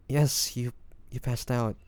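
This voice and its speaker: A man's voice: mid-range voice, darkish tone. A man playing a devoted, anxious young man caring for a wounded loved one, tender and hesitant, in a romantic audio roleplay. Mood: relieved, loving. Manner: tender, hesitant, breathy sighs, addressing the listener. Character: devoted, anxious young man tending his wounded dragon-shifter beloved.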